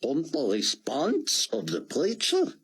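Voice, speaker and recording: A fervent old rabbi, hushed and trembling, as a male narrator puts him on. His voice climbs high and thin, husky and breathy, swinging wildly in pitch. He sounds a little set back from the microphone. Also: wildly swooping pitch, slow, exaggerated voice. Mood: awed. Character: elderly male rabbi scholar, awed and fervent.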